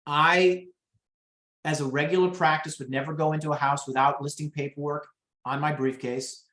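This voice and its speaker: A man running a real estate training webinar over a video call, telling lively stories and acting out quotes. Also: a little high, moderate pace, echoey room. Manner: lively storyteller, acts out quotes.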